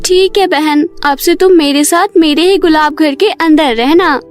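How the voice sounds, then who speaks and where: A woman's voice: high voice, measured pace. A woman voicing a caring but reproving elder sister in a Hindi cartoon tale. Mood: forgiving. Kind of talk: Hindi cartoon story voice acting.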